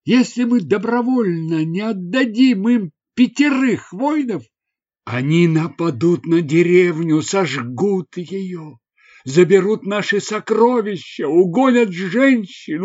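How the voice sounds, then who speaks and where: A frightened tribal warrior, voiced by a male audiobook reader, lays out his people's grim fate in a resigned, pleading way. His pitch climbs and falls in wide, lively swings, and the words come slowly. The recording sounds dull and lo-fi. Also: full character voice.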